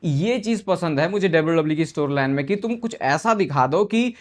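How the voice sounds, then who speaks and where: A man with a somewhat high voice runs through a wrestling episode as a casual recap. He chats straight to the viewer, calls him buddy and drops English words into his talk. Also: lively intonation, fairly quick. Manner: chatty, mixes in English words, calls the listener "bhai". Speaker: wrestling show recap host. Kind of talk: casual excited recap commentary.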